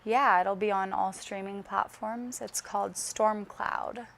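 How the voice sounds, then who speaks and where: A young woman singer talks through an interview in an easy, chatty way. She takes her time and enunciates carefully, with a gravelly fry running through her mid-pitched voice. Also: steady tone, a bit bright. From Las Vegas. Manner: slow, carefully enunciated speech. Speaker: singer guest. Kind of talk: casual interview chat.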